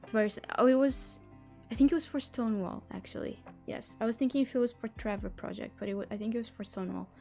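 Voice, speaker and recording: A non-native English-speaking woman hosting a relaxed livestream. Her voice is mellow and warm, she giggles often, and she trips over longer words as she reads aloud. Soft music plays faintly behind her. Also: a little high, quick pace, gravelly. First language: not English. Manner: chatty, giggly, stumbles over words while reading. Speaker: livestream host. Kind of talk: casual livestream chat, reading a book blurb aloud.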